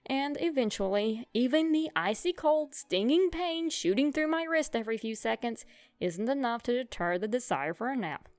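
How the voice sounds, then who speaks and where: A young woman narrating a comic childhood story in a wry, self-mocking, expressive way. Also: a little high, moderate pace, no room sound, faint music behind.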